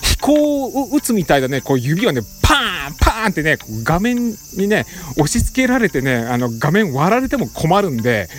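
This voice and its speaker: A middle-aged man casually telling a story as a podcast host, animated, with playful sound effects and rough casual phrasing. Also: sits high, normal speed, hardly any pauses.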